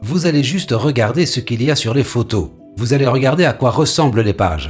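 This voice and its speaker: Music plays behind a man who talks at a moderate speed, his intonation lively. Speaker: voice-over artist. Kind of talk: dubbed classroom lecture.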